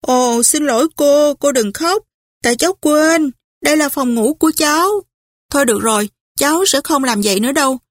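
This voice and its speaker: Woman voicing a shrill, petulant young widow. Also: normal speed, no room sound, clean studio sound, close to an everyday voice. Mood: apologetic. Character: spoiled, hot-tempered young widow.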